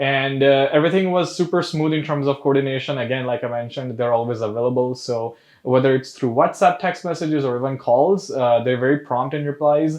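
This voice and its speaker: Here is a man with an American accent, fairly high pitch, and an ordinary speaking voice. He goes at a fairly quick pace with hardly any pauses and ordinary pitch variation. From US Midwest, Chicago, Gujarati family. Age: 20s. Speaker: hair transplant patient. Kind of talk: testimonial interview. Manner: casual with frequent uh fillers.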